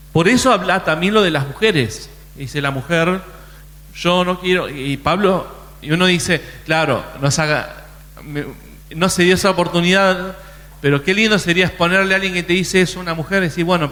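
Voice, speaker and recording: A man's voice: high-pitched, a bit bright, in a large hall. A man preaching a sermon in a conversational way, often restarting his sentences. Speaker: pastor.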